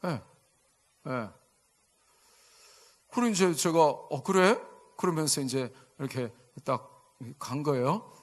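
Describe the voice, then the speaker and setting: Pastor in his 50s, Busan accent, lively and jokey, slightly higher voice, church sermon. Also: takes it slowly, pauses often. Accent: Busan Gyeongsang dialect. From Busan, South Korea. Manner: animated, jokey, asks the congregation for replies. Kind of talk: humorous storytelling sermon. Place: church sanctuary.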